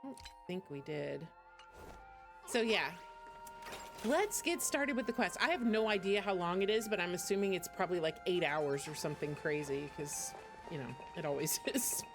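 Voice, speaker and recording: A woman's voice: fairly low pitch, moderate pace. A woman streaming a game live, chatting casually in a rambling, giggly way on a close mic. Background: game music.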